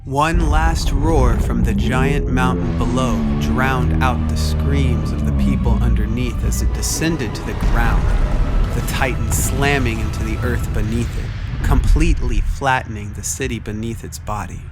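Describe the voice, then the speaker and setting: A man's voice: mid-range voice, expressive, a little slow. A man reading scripted, dramatic story narration as the narrator. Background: prominent music.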